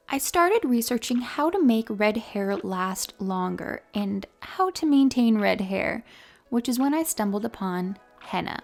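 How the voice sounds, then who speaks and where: A young woman with a New York accent tells her story to camera in a calm, mellow way. Her voice sits a little high and has a gravelly fry running through it. Soft music plays faintly behind her. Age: 20s. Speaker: beauty vlogger.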